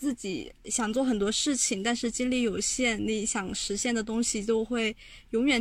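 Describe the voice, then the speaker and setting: A woman with an ordinary speaking voice talks at a fairly high pitch and a moderate pace. Her intonation is fairly even, her loudness very even, and the recording very clean with a silent background. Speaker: university graduate, podcast co-host. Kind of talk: casual chat. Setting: university dorm room.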